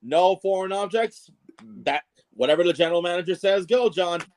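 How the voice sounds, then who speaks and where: Man, ring announcer guest, slightly high pitch, casual talk, emphatic repetition. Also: moderate pace, a little mellow.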